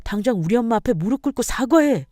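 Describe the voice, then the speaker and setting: A woman's voice: on the high side, animated, fast, mellow, dry recording, studio quality, voice pushed up, natural voice. A woman voicing an angry, defensive young husband who demands an apology. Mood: indignant.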